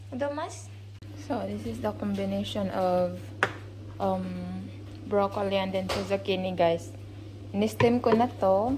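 Spoken at a fairly slow pace with long, frequent pauses, the clip carries noticeable background noise. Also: woman. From Philippines. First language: Tagalog/Bisaya. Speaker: vlogger. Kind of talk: casual vlog talk. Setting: outdoors. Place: home room. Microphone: phone near.

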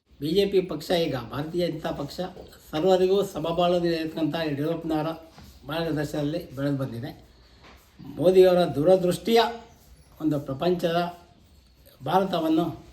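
There is noticeable background noise and an audible room echo. A man speaks with a high pitch. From Bhadravathi, Shivamogga district, Karnataka. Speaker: local politician. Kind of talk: interview.

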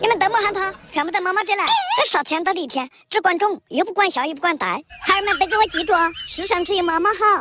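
A female-sounding put-on character voice races along at a very fast pace at an extremely high pitch. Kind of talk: comedic animal voiceover.

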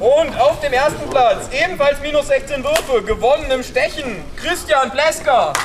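A man's extremely high-pitched voice at a fairly slow pace, with very even loudness, ordinary pitch variation, hardly any pauses and noticeable background noise. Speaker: disc golf club organizer. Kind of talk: interview. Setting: outdoors.

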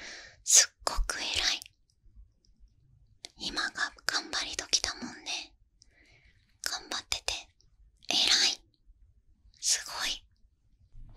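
A woman whispers in a soft-spoken, soothing tone at a very slow pace, with long, frequent pauses over a quiet background. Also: big swings in loudness. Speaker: ASMR creator. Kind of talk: soft ASMR encouragement. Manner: soft close-mic whisper, soothing praise. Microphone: studio mic.

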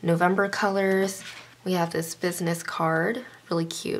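Quiet and fairly low in pitch, a woman speaks at a fairly slow pace with fairly even intonation over light background noise. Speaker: planner and sticker video creator; sticker video creator. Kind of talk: product haul show-and-tell. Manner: hushed, keeping voice down; careful enunciation. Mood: cheerful, admiring.

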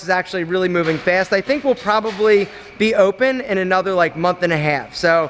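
Against light background noise, a man talks at a moderate pace in a high pitch with ordinary pitch variation. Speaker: property owner vlogger. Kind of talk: casual vlog chat. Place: hall. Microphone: phone near.

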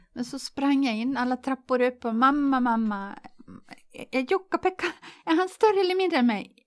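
A woman talks at a moderate pace in a Dalarna accent, her pitch high. The background is quiet. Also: lively intonation. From Sweden, Dalarna (near Leksand); Dalarna, Sweden. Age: 50s. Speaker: interview guest sharing life story; interview guest. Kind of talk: podcast interview. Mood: reflective, personal childhood memories. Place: studio. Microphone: studio mic.

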